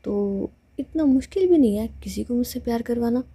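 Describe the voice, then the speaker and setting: A woman's voice: fairly high pitch, lively intonation, a little fast, dark tone, husky. A woman voicing a playful young woman in love who teases her girlfriend in a told love story. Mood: teasing. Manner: teasing, joking.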